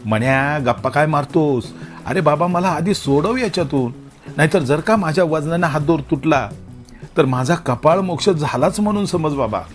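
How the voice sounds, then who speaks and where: A man voicing an exasperated middle-aged father who grumbles and shouts with irritation and sarcasm. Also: a little high, expressive, normal speed, soft background music, pitched above the performer's own voice, close to an everyday voice.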